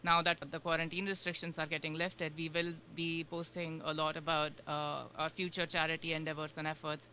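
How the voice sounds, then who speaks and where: A woman's voice: sits low, little pitch movement, a little fast, few pauses, bright, forceful tone, slight background noise. A woman from India, a guest on a radio show, talking casually and rambling with many fillers. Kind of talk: casual interview chat. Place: radio studio.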